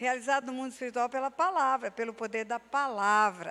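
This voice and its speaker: A woman with a bright, sharp tone talks at a high pitch with ordinary pitch variation. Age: 70s. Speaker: pastor. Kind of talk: sermon. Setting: church. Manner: animated.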